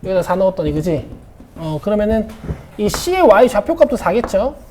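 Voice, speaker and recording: A woman's voice: medium pitch, sing-song, moderate pace, mellow, a little hiss or hum. A woman math teacher leading a classroom lesson, who keeps checking in with her students as she works through a problem. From South Korea. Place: academy classroom.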